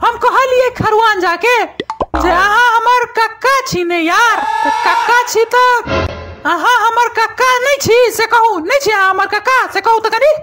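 Very squeaky, shifty young cartoon nephew. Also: female voice, measured pace, over music. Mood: pleading. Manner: wheedling, evasive, repetitive filler phrases. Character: shifty, wheedling young nephew, a reckless gambler. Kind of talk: comedy cartoon dialogue.

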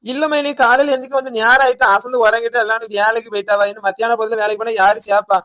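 Cartoon: man as an indebted husband, rapid and sharp, dry close voice, Tirunelveli Tamil. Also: very high voice, little pitch movement, dry recording. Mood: defensive. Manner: fast, defensive, pleading. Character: idle indebted village husband and father. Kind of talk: animated cartoon voice acting.

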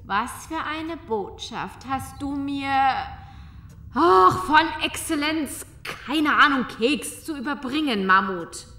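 A woman's voice: high voice, lively intonation, slow pace, bright, forceful tone, roomy sound, exaggerated voice. A woman playing a flighty, imperious countess in an audio drama, hesitant, haughty and dramatic. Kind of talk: German audio drama acting.

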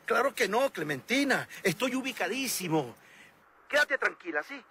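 Venezuelan husband, high lively voice, falsely confident, soothing. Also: male voice, moderate pace, slight background noise, exaggerated voice. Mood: reassuring. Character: lost husband too proud to ask directions. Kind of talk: TV comedy-drama acting.

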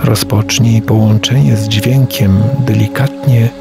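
A man reading a scripted guided relaxation meditation in a measured, instructing way. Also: fairly low pitch, fairly even intonation, vocal fry. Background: new-age music.

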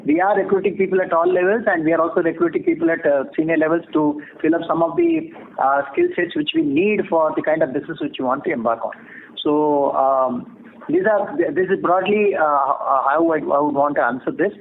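High-pitched Indian man on a tinny phone line. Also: lively intonation, vocal fry, slight background noise. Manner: measured, formal, explanatory. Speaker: bank executive answering analysts. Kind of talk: earnings call answer. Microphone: phone conference call.

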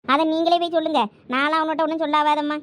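This young woman, whose accent is Thoothukudi Tamil, argues her way through domestic exchanges in a rural comedy skit. She talks very fast in a high voice with little pitch movement, captured in clean, echo-free studio sound.

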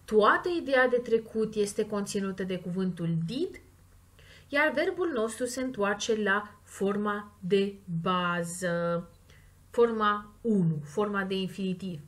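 A woman with a Romanian accent, teaching English grammar and stressing the example words slowly and clearly. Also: medium pitch, fairly bright tone. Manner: slow, stressed model words between quick explanations. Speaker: language teacher. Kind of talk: explaining grammar in a recorded lesson.

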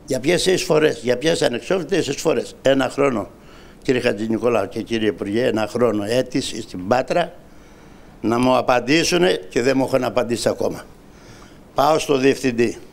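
A man's voice: medium pitch, vocal fry. A man in his sixties from Greece, an audience member telling his grievance in an impassioned, aggrieved way and speaking directly to the host and a minister. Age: 60s. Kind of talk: impassioned personal account on a talk show.

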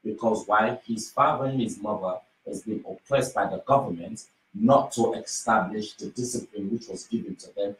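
A man's voice: on the low side, moderate pace, hardly any pauses, recorded from a distance. Emphatic man guest, repeating his points. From Sierra Leone. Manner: emphatic, repeats key phrases. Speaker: studio guest. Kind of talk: impassioned talk-show opinion. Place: small radio studio. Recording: echoey studio from off-mic.

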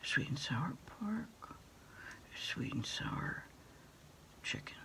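A middle-aged woman in a quiet ASMR roleplay, speaking haltingly and hushed as she takes a takeout order over the phone. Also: low voice, very animated, vocal fry. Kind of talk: ASMR roleplay, whispered one-sided phone conversation.

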